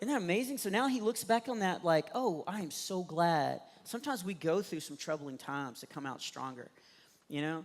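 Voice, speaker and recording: With a Texan accent, a man talks at a fairly quick pace in an animated tone, his high pitch making very wide swings. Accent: Texan American. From Texas. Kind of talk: stand-up.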